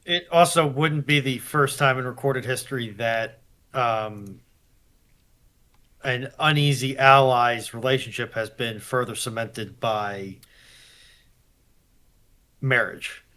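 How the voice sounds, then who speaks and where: A man with a mid-pitched voice who speaks rather slowly. His wording is measured and formal as he contributes to an informal panel on history. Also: sharp tone. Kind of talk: informal live discussion of history.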